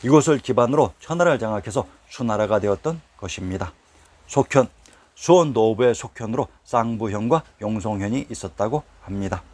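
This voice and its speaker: A man narrating a history lesson in a scripted, formal style, reading out lists of place names at a steady pace. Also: lowish voice, brisk.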